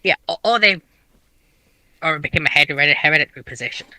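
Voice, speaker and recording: Very bright-voiced man explaining things. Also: on the high side, fast, no echo, rough recording. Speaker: panelist. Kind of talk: informal panel discussion.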